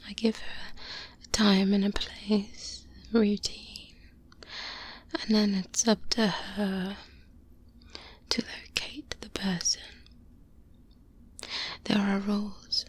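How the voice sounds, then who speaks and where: In an ASMR roleplay, a woman plays a seasoned, guarded vampire hunter mentor, whispering breathily into a close binaural mic. Her soft-spoken monologue is confiding and careful, with measured, deliberate pauses, and her mid-range voice moves little in pitch.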